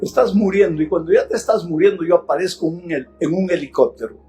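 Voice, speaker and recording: A pastor preaching a sermon, moving from hushed tender pleading to shouted exhortation and acting out short dialogues in his own voice. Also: high voice, fast talker, soft background music. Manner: acts out dialogues between characters in his own voice.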